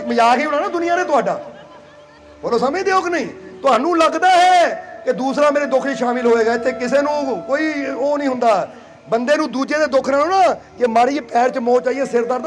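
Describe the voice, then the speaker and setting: Leading his congregation in Punjab, India, a very high-pitched male preacher gives a playful, coaxing sermon. Laughter comes between his lines, and he repeats phrases while asking again and again whether the crowd follows him.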